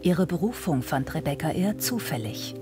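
A woman narrates a documentary in a calm, measured voice, pitched somewhat low. Music plays clearly beneath her words, in the manner of a television report.

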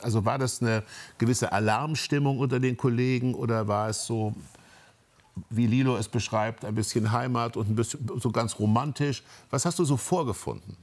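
Man moderating a panel talk. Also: mid-range voice. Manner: probing, long winding questions. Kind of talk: panel interview.

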